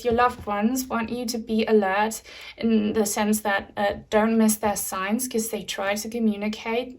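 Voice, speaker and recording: Chatty tarot reader, German native speaker. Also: female voice, medium pitch. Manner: chatty, many fillers, addresses viewers as guys. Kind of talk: casual pick-a-card tarot reading.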